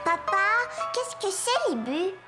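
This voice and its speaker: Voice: very high voice, sing-song, slow pace, loud music behind the voice, full character voice. A performer voicing a curious, cheerful four-year-old boy in a children's cartoon, speaking in an earnest, childlike way. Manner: childlike, earnest, simply phrased.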